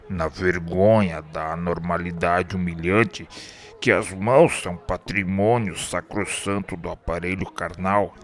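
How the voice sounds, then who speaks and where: Radio drama lead: male actor as remorse-haunted murderer, anguished and declamatory, low register, very measured delivery. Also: fairly bright tone. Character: tormented, remorseful man haunted by his murder. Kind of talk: radio drama acting, formal literary speech.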